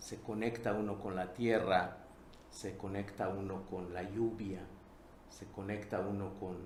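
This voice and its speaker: Over noticeable background noise and audible room echo, a man speaks at a fairly slow pace and fairly low pitch in a monotone, flat intonation. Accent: Yucatán. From Yucatán, Mexico (rural Maya village). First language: Yucatec Maya (speaking Spanish). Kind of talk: public talk. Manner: hesitant, with repetitions.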